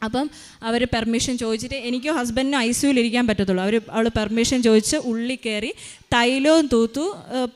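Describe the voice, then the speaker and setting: A woman telling a personal testimony about her child, hurrying along with many fillers and restarts. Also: on the high side. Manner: hurried, with frequent fillers and restarts. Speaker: mother giving a testimony.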